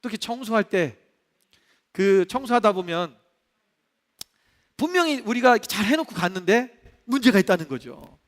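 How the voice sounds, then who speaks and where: A man preaches from the pulpit in a striking high register, his pitch leaping up and down as he speaks. He slips into quoted voices to make his points. The long reverb of a church hall trails behind every phrase. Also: normal speed, long pauses. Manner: animated, acts out quoted voices. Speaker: pastor. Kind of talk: sermon. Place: church sanctuary.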